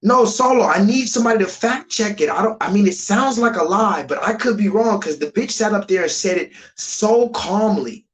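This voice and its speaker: A man ranting on a live stream, profane and rambling, jumping between loud high outbursts and low muttered asides. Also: expressive, moderate pace, hardly any pauses, low-quality recording. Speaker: livestreamer.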